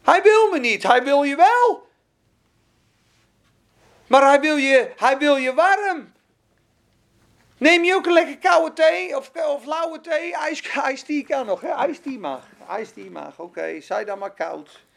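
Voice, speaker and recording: A preacher with a gravelly, creaky voice delivers a fervent sermon. The delivery jumps from loud, emphatic bursts to hushed asides, and the preacher keeps firing questions at the congregation. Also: high voice, animated, slow pace, long pauses.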